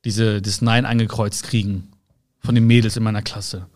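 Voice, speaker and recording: A man's voice: lowish voice, flat delivery, normal speed, a little mellow. A young man in an earnest, casual motivational talk, addressing the listener directly with rhetorical questions and frequent fillers. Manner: earnest, searching, many fillers and restarts. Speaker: personal development speaker.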